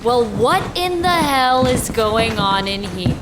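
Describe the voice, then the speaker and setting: An actress playing a brash, mocking, menacing keeper of captives in an audio drama, with a drawling, taunting delivery. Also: female voice, fairly high pitch, expressive, slow, heavy background noise. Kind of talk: audio drama villain acting.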